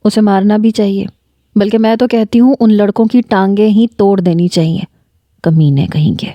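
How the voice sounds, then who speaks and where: A woman's voice: medium pitch, dark tone, no room sound, dull audio, natural voice. A woman voicing a confident, talkative young college girl in a storybook reading. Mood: brash. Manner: talkative, brash, self-assured.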